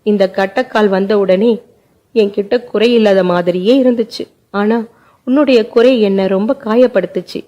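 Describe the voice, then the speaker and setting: A woman's voice: medium pitch, normal speed, warm tone, close to an everyday voice. A woman voicing a loving, grief-stricken young woman who speaks through tears in a told family story. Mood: despairing. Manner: tearful, despairing delivery. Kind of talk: storytelling narration.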